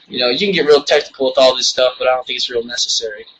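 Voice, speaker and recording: A man races along at a very fast pace amid noticeable background noise. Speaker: tutorial video maker. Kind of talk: tutorial. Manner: casual, halting.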